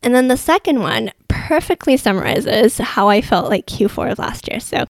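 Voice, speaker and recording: A woman's voice: a little high, animated, moderate pace, vocal fry, no room sound. A young woman hosting her own podcast in an earnest, chatty way, with a slightly worn voice that cracks now and then. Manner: chatty, earnest, many "like" fillers. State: losing her voice, occasional cracks. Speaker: podcast host. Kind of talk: casual solo podcast monologue.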